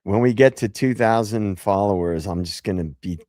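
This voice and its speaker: A man hosting a casual livestream, hoarse after a gig, talking loosely and swearing as he jokes with chat. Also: on the low side, moderate pace, darkish tone, no echo, clean studio sound. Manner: loose and profane, jokey. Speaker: livestream host.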